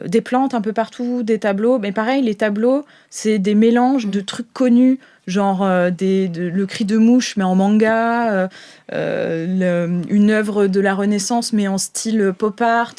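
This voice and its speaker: A woman's voice: medium pitch, measured pace, mellow. A woman narrating an improvised tabletop game as game master, in an informal, descriptive and hesitant way.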